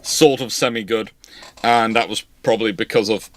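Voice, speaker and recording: A man's voice: fairly low pitch, fairly even intonation, moderate pace, slight background noise. A man hosting a live naval history question stream, talking in a rambling, sarcastic way with many restarts. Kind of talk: casual live Q&A talk.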